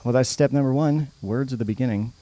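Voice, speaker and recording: Teenage male friend played by a man, mid-pitched, soft mellow tone, casual, frank, teasing, audio drama. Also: fast, close to an everyday voice. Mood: teasing, encouraging. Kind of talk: naturalistic audio drama dialogue.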